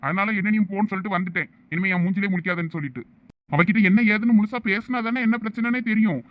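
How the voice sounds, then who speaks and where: A man's voice: high-pitched, fast talker, no room sound, highs cut off, close to an everyday voice. A man voicing a loyal, hot-tempered young male friend in a cartoon, with a Thoothukudi Tamil accent. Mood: irritated. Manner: scolding, pleading with his friend. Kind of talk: cartoon voice acting.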